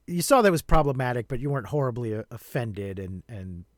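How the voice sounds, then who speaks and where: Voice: mid-range voice, a little fast, no echo, studio quality. A podcast host in casual conversation, musing aloud and answering with short agreements. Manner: relaxed, musing, with brief backchannels.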